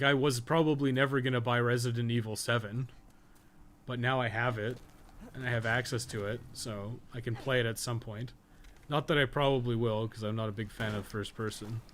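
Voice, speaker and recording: A man's voice: mid-range voice, a bit bright. Casual, blunt man streaming over background noise. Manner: blunt, profane, slangy. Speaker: game livestreamer and podcast co-host. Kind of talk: casual rambling livestream commentary while playing.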